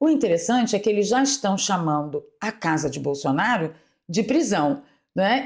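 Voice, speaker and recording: A woman speaks in an animated tone. The recording is very clean with a silent background. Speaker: political commentator. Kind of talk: political commentary monologue.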